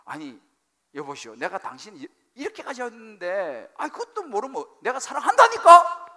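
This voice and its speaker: A preacher acting out an exasperated pleading husband. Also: male voice, very high voice, animated, unhurried, gravelly, pushed and bright, pitched above the performer's own voice, exaggerated voice. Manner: pleading, then irritated and insistent.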